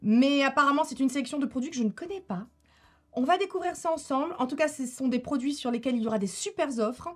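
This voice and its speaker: Talking fast in a high, lively voice, a woman who makes beauty videos on YouTube gives a chatty rundown of products she loves. She laughs a lot and says things twice for emphasis.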